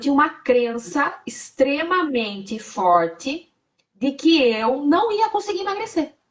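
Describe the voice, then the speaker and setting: Her high voice moves in very wide pitch swings as this woman speaks. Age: 40s. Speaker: weight-loss client. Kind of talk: interview. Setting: online live stream.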